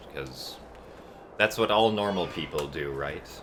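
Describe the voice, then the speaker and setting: A man with a bright, sharp tone and vocal fry talks at a moderate pace with ordinary pitch variation. Room echo is audible. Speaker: video game streamer. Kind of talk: ASMR livestream commentary. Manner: put-on soft ASMR voice.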